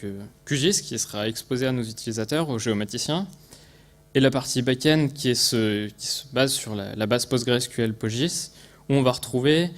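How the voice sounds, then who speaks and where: Speaking with the French accent of someone from France, a male conference presenter walks through a technical project. His medium-pitched delivery stumbles, with restarts and little words said twice.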